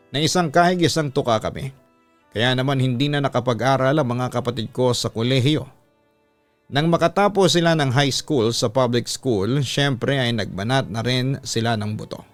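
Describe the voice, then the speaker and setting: A man's voice: medium pitch, no room sound. A man reading a listener's personal letter aloud as a scripted, storytelling radio-style narration.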